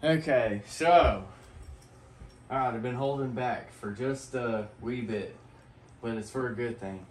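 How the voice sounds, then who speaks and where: A man's voice: medium pitch, unhurried, darkish tone, distant mic, a little hiss or hum. A man hosting a casual vlog, folksy and heartfelt, laughing often as he talks. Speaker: channel host.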